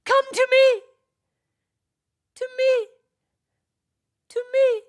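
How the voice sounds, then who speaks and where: A woman voicing a lovesick young female nymph who can only repeat others, crying out high and pleading. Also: level tone, drawn-out words, exaggerated voice. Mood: echoing.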